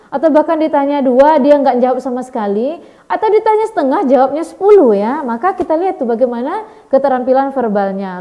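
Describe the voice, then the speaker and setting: A middle-aged woman lecturer with a high, mellow voice, teaching in a recorded video lesson. She explains patiently and keeps adding "ya", slipping in English words. She acts out small classroom exchanges with sudden jumps in pitch. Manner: frequent tag "ya" and Indonesian-English code-switching. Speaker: university lecturer.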